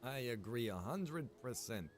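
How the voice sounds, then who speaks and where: A man giving casual live gaming commentary as a streamer, rambling and thinking out loud. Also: medium pitch, very animated, unhurried, a little hiss or hum. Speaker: game streamer.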